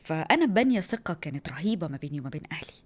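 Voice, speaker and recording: A woman in her thirties with an Egyptian Arabic accent, a rally driver telling her story in a lively, excitable way as an interview guest. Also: deep voice, rapid-fire. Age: 30s. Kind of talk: casual interview talk.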